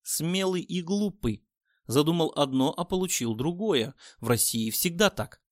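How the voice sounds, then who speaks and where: A male narrator takes on a smug female assistant in a recorded thriller. She presses her point insistently with a knowing air, and the voice stays somewhat high and lively. The sound is close and dry. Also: measured pace, no echo.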